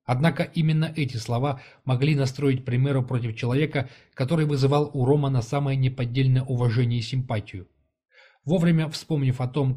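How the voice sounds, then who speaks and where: A man narrating a fantasy novel as an audiobook, in an even, measured reading style. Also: mid-range voice.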